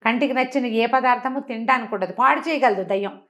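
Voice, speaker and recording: A woman telling a children's moral tale in an animated, conversational way, slipping into the characters' dialogue as she narrates. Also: on the high side, a little fast. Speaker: storyteller.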